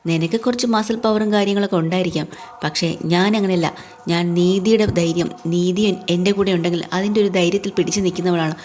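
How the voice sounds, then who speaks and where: A woman's voice: on the low side, steady tone, fast talker, darkish tone, a little hiss or hum, lightly acted. A woman reading a defiant young wife.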